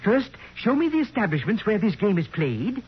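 A man's voice: sits high, sing-song, normal speed, husky, exaggerated voice. An actor playing a prim henpecked professor in his fifties, speaking formally and precisely in 1940s radio style. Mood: eager, pedantic. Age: 50s. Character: prim henpecked middle-aged male professor, naive and stubborn. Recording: muffled old radio recording with hiss.

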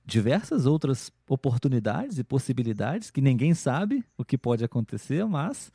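A Brazilian man hosting a podcast, talking in an easygoing, reflective way and often checking in with "né?". His voice is mellow and warm. It is recorded dry and close, with no room around it. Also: mid-range voice, big pitch swings, moderate pace, breathy edge, no room sound. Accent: Brazilian Portuguese. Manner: thoughtful, with frequent "né?" and restarts. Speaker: podcast host. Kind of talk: casual podcast conversation.

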